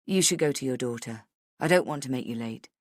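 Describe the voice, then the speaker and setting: A woman voicing a calm, dogged male investigative journalist, measured and persistent, in an audiobook. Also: rumbling low, no room sound, clean studio sound, voice pushed down. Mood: calm, matter-of-fact. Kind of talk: audiobook character dialogue.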